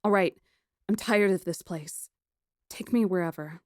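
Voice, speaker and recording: A woman voicing a defiant, sarcastic, highly strung female engineer in an audiobook. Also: unhurried, dry recording, studio quality, close to an everyday voice. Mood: flatly defiant. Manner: sarcastic, defiant, flat retorts. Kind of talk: audiobook character acting.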